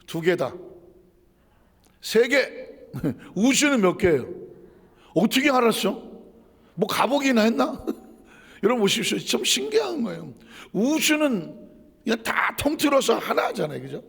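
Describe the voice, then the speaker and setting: A man's voice: high-pitched, creaky, breathy edge, big-room sound. A man preaching as a pastor, talking to the congregation in a conversational way, full of rhetorical questions and casual asides, sliding between formal and casual speech. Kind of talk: sermon.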